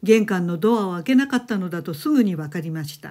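Lively intonation carries a woman's normal speaking voice at a fairly quick pace, on a very clean recording with a silent background. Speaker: ghost story narrator. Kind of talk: ghost story narration, reading aloud a true-story account. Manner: polite, formal.

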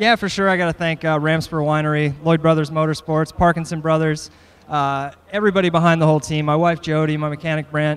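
A man talks at a very fast pace with a monotone, flat intonation. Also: fairly high pitch for a man. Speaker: pro flat track rider. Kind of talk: podium interview. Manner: casual, relaxed. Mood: determined, upbeat. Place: stadium. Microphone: handheld.

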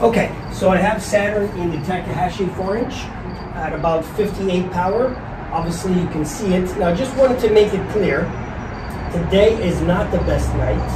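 Noticeable background noise is present. Over it, a man talks at a moderate pace. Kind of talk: casual vlog chat. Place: garden. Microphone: camera far.

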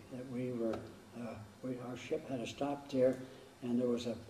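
A man with an American accent speaks at a medium pitch in a flat monotone, with light background noise and audible room echo. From upstate New York (Fort Edward). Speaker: war veteran. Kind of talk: oral history interview. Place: home room.

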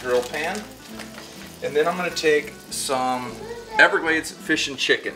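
A man talks at an even, middling speed while music comes through clearly behind him. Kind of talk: casual cooking tutorial. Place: kitchen. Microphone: camera far.

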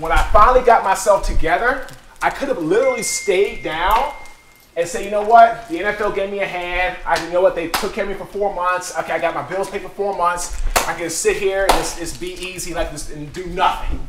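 Talking at a fairly quick pace over noticeable background noise, a man with a high voice uses ordinary pitch variation and big swings in loudness. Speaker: keynote speaker. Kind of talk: motivational sales talk. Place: home room.

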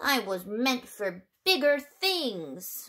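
A female-sounding, put-on character voice growls at a high pitch. Its pitch swings very widely. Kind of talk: bedtime story. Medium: read story. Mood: sulky.

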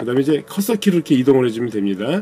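Against noticeable background noise, a man with a fairly high pitch speaks with very wide pitch swings. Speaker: software tutorial instructor. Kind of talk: tutorial. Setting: screen recording at computer. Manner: halting, many filler words.

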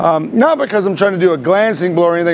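Light background noise accompanies a man with a high pitch and ordinary pitch variation. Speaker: bladesmith instructor. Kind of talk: tutorial. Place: workshop.

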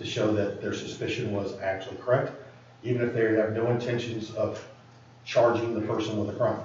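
A man talks at a fairly quick pace in a flat, monotone delivery. Room echo is audible, along with light background noise. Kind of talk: committee presentation. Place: meeting room. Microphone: camera far.

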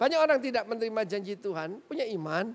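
A man's high-pitched voice at a very fast pace. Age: 70s. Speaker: pastor. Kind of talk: sermon. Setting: church livestream. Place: church. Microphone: handheld.

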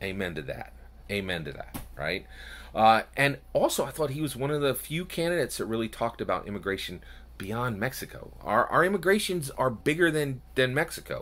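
With an animated tone and very wide pitch swings, a man at medium pitch talks at a moderate pace, with vocal fry. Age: 40s. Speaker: political commentary youtuber. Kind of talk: solo video commentary. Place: home room. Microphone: lapel.

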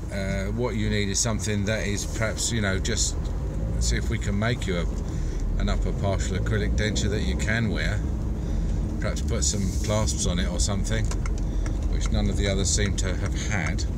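Against loud background noise, a man talks at a moderate pace with ordinary pitch variation. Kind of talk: casual vlog chat. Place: car. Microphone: phone near.

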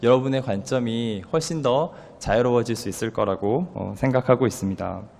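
A man speaks at medium pitch and a moderate pace. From South Korea. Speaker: tech company executive and alumnus speaker; speaker. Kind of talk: commencement-style motivational speech. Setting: university gymnasium stage with audience. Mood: warm, smiling, reflective. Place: hall. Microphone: podium.

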